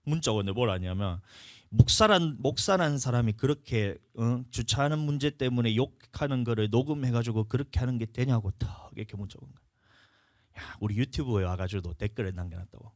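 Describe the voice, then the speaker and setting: A male pastor, telling a personal story in a lively, animated sermon. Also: medium pitch, brisk, no echo, studio quality. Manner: animated storytelling, acts out a quarrel. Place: church.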